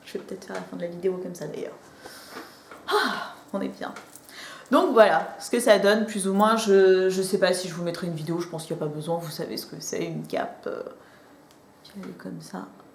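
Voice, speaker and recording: A woman talks at a fairly quick pace, with long, frequent pauses and big swings in loudness. Noticeable background noise and audible room echo are present. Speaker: vlogger, working mum. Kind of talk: casual haul video chat.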